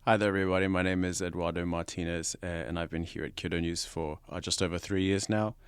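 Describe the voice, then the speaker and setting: A man's voice: low voice, steady tone, fast talker, clean tone, no echo, clean studio sound. A man with an Australian accent, a news reporter reading and discussing stories on a podcast. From Brisbane, Australia.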